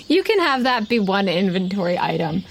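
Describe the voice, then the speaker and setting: A woman's voice: mid-range voice, sing-song, normal speed, gravelly, slight background noise. A woman running a tabletop game, improvising narration in an informal, conversational way. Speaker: game master.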